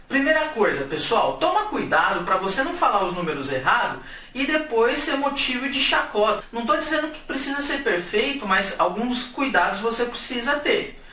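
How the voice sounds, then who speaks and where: A man from Brazil teaches English numbers in a casual, jokey video lesson, his voice sitting high, pushed and bright. The recording has an echoey room, a distant mic and faint hiss.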